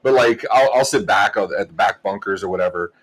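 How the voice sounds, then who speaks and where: A man's voice: low voice, fairly quick, slightly rough, low-quality recording. A man co-hosting a casual tech podcast, telling stories with lots of laughter and casual swearing. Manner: animated storyteller, laughs often, swears casually. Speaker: podcast co-host. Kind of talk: casual chat, storytelling.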